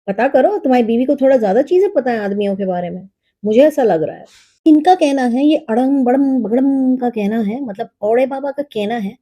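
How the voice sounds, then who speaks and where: A woman's voice: fairly high pitch, animated, brisk, mellow, lo-fi sound. A young woman hosting a reaction video, mocking and scolding the people she reacts to and dropping in English phrases. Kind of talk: sarcastic reaction commentary.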